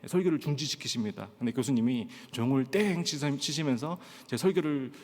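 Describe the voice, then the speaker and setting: A pastor from Pohang, South Korea, tells stories during a sermon at a Friday prayer meeting, acting out quotes and often filling pauses with a short "예" ("yes"). His medium-pitched, slightly mellow voice uses standard Korean, trained out of the Gyeongsang dialect. Recorded in the church sanctuary, it carries long church-hall reverb.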